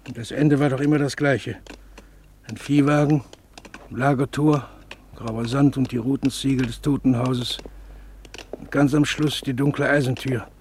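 An actor playing a broken, gentle camp survivor in a radio drama, speaking haltingly in a rough voice. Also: male voice, medium pitch, steady tone, a little hiss or hum, natural voice. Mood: bitter, haunted. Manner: hesitant, halting, faltering.

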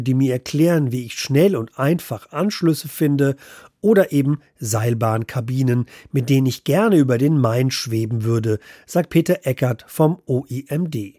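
Husky man reading a news report. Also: mid-range voice, lively intonation, mellow, no echo, clean studio sound. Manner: measured, reading from script. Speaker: radio reporter. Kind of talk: scripted news narration.

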